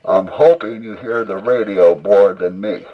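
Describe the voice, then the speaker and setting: This man, whose voice sits on the low side, demonstrates something hands-on at an unhurried pace, rambling in a casual, folksy way as a hobbyist. The recording from a camera mic roughly a foot away sounds muffled, with noticeable background noise and radio sounds.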